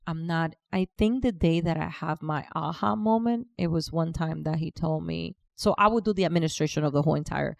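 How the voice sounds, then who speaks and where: A Cuban woman in her forties, a native Spanish speaker with a Cuban Spanish accent, chats as a guest in a casual podcast interview. Her low, gravelly voice runs a little fast with hardly any pauses, on a dry recording; she talks freely, often restarts sentences and laughs easily.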